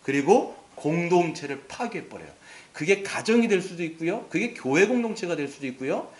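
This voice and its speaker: A man's voice: high voice, lively intonation, a little fast. A male pastor preaching a sermon with emphasis, putting rhetorical questions to his congregation. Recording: roomy echo.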